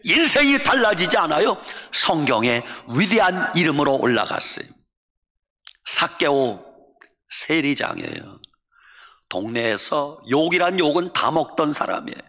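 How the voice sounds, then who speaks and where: Lively, bright-voiced preaching pastor. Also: male voice, a little high, unhurried, vocal fry. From Chungcheong, Korea. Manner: humorous, mimics dialects, shouts for emphasis. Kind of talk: sermon. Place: church sanctuary. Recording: long church reverb.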